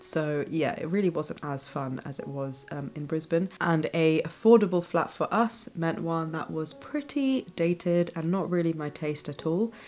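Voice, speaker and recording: In a British accent, a woman speaks at a moderate pace. Her pitch is very deep and low, with ordinary variation. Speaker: junior doctor. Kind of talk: casual talk to camera.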